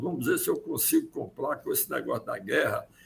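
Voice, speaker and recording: A man is talking, with noticeable noise in the background. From Brazil (Salvador, Bahia), born in Ukraine. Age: 80s+. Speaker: sailor and engineer. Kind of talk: interview.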